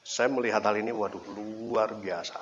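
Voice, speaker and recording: A man's voice: on the low side, steady tone, normal speed, fairly bright tone, slight background noise. A man with an East Javanese accent, giving a casual, conversational sermon full of anecdotes and repeated words. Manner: chatty, anecdotal storytelling with repetition. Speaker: preacher. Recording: dull lo-fi recording.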